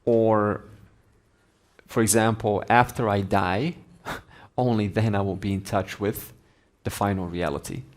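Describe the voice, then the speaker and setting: A man giving a slow, deliberate spiritual lecture, explaining ideas with Sanskrit terms. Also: fairly low pitch, fairly even intonation. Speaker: Vedanta teacher.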